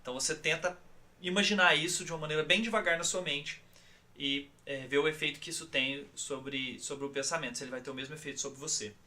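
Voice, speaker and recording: Bright-voiced Brazilian man teaching calmly. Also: on the high side, quick pace. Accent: Brazilian Portuguese. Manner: calm, guiding, often checks in with listeners. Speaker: course instructor. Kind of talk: recorded online course lesson.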